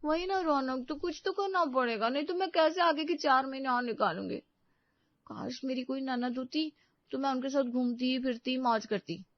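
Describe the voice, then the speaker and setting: Young quick-tempered new bride, voiced by a woman narrator; emotional complaints, dry lo-fi audio story. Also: high-pitched, no echo, natural voice. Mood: complaining. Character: young newlywed wife, lively and quick-tempered. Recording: dull, dry sound.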